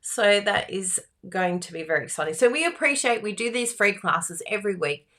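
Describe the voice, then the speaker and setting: A woman with a croaky voice, hosting a live card-making class in a chatty, giggly, self-teasing way. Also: mid-range voice, lively intonation, a little fast, fairly bright tone. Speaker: card-making instructor and livestream host. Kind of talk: live craft class chat.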